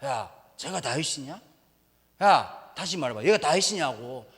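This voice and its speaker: A man's voice: a little high, expressive, unhurried, long reverb tail, voice pushed down. A man doing a bellowing scornful king. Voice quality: bellowing, contemptuous. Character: angry Philistine king, man, imperious and scornful.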